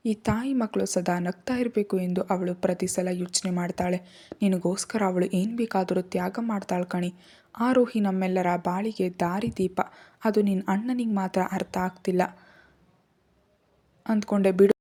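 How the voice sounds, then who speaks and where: A woman reading the lines of a young man, an elder brother, who speaks softly and fondly to his younger sister. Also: mid-range voice, fairly even intonation, normal speed, lightly acted. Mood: tender.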